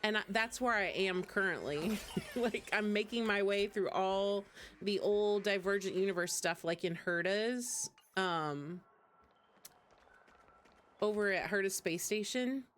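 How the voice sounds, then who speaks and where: A woman's voice: medium pitch, unhurried, fairly bright tone. A woman hosting a game livestream, chatting informally with viewers as she plays. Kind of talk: casual chat while gaming, replying to viewers. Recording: music playing behind the voice. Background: game music.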